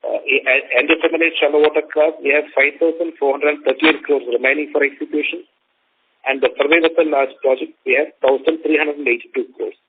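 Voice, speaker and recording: A man with an Indian accent answering questions as a company executive, speaking formally and haltingly in measured phrases. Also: fairly high pitch, fairly even intonation. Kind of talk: earnings call answers. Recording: narrow phone line with faint noise.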